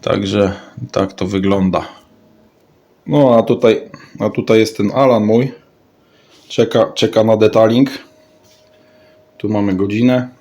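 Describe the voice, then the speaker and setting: A man's voice: fairly low pitch, fairly even intonation, slow, pauses often, darkish tone, muffled recording. A man giving a casual, off-the-cuff product showcase in a rambling way, often repeating his words and phrases. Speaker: radio hobbyist vlogger.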